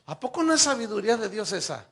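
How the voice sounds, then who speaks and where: An older man with a Mexican accent preaching a sermon, telling personal stories and acting out the dialogue with lively shifts of voice. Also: high voice, fast, gravelly, slightly rough. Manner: animated storytelling, acting out dialogue in raised voices. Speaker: pastor.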